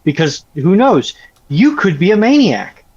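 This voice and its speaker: A man's voice: high-pitched, sing-song, a little slow, darkish tone, husky. A man chatting casually as a panelist in a wry manner, on a dull, lo-fi connection. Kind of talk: casual live discussion.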